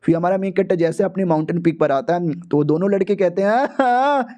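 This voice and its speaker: A man's voice: high-pitched, steady tone, fast, mellow. A man narrating a comic recap, slangy and joking with his viewers as he does character voices. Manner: playful, slangy, jokey asides to viewers.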